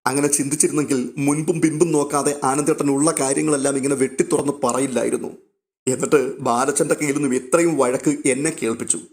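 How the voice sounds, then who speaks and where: A man's voice: mid-range voice, fairly even intonation, fast, a little mellow, close to an everyday voice. A man voicing a hurt, resentful young wife who speaks accusingly. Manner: accusing, bitter.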